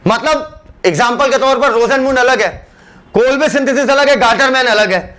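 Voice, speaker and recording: A biology teacher lectures a classroom, joking with his students and scolding them now and then. His voice sits unusually high for a man, and he talks to the class in a loose, chatty way. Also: a bit bright. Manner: chatty, teasing, addresses students as beta.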